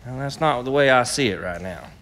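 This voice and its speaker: An actor playing a wary, stubborn, protective riverside stand keeper in a period radio drama, with a terse, dry, folksy manner. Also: male voice, mid-range voice, expressive, brisk, fairly bright tone, lightly acted.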